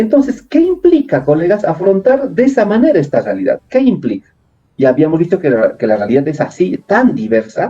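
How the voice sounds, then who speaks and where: A man speaks at a fairly quick pace. His loudness stays very even throughout. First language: Quechua (speaking Spanish). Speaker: teacher trainer. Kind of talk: lecture. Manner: repetitive, emphatic.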